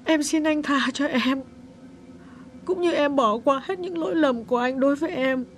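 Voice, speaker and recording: A man's voice: very high-pitched, lively intonation, normal speed, slight background noise, pitched above the performer's own voice. A man voicing a grieving young woman who speaks through tears, in an audiobook story. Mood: sobbing. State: sobbing. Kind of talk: audiobook character voice.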